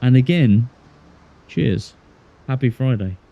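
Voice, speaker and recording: A man's voice: mid-range voice, lively intonation, slow, creaky, muffled recording. A man from Galway with a west of Ireland accent, chatting casually and commentating on his game as a livestreamer, musing aloud in an easygoing, wry way. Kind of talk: casual chat and gameplay commentary.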